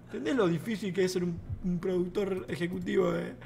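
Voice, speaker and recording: A man's voice: high voice, fairly even intonation, brisk, gravelly, slight background noise. A young Argentine man streaming, improvising comic dubs in a playful, mocking way. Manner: playful, mocking, loud laughing outbursts.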